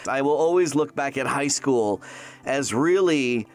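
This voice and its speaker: A man's voice: mid-range voice, expressive, unhurried. A man, a Canadian-raised voice actor, chatting casually in an interview with lots of restarts and fillers. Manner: rambling, many restarts and fillers. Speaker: voice actor guest.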